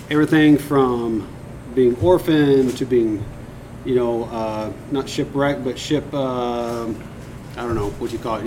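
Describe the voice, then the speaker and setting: A man's voice: medium pitch, darkish tone. Guy hosting, chatty n jokey, mid voice, kinda rambly, noisy room hum. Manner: chatty, joking, rambling restarts. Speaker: show host. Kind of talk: casual interview intro.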